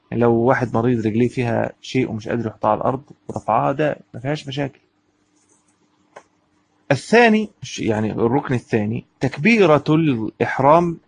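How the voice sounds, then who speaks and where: A man with an Egyptian accent teaches from a classical legal text. His voice is husky and sits at a middle pitch. He moves between reading the book and explaining it in everyday speech, often asking a question and answering it himself. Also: darkish tone. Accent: Egyptian Arabic. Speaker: Islamic law teacher.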